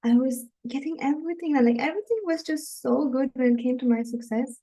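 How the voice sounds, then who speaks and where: A woman's voice: sits high, a little fast, warm tone. A woman from Germany, a dating coach, speaking to viewers in an earnest, encouraging live webinar talk.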